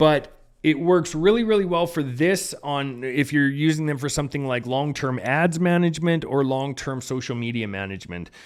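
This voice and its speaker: With an unremarkable speaking voice, a man of fairly high pitch uses lively intonation at a moderate pace with hardly any pauses, on a very clean recording with a silent background. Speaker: affiliate marketing coach. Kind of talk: tutorial. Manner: casual with many fillers.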